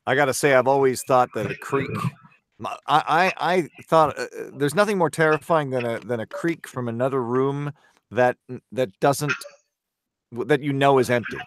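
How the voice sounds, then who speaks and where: A man hosting a podcast, chatting casually and haltingly with many restarts. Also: mid-range voice, a little hiss or hum. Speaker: podcast host. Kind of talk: casual chat on a video call.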